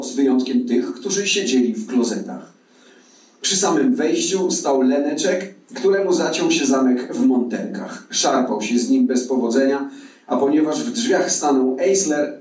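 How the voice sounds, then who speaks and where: A man's voice: mid-range voice, a little mellow. A male actor reading a novel aloud at a live event, telling it with a wry, ironic touch. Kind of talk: dramatic literary reading. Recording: echoey hall from far off.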